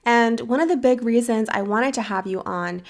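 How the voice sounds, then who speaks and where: A young woman hosting a podcast, talking in an earnest, measured and serious way. She grew up in the United States and her first language was Farsi. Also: on the high side. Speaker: podcast host. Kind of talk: earnest interview and commentary.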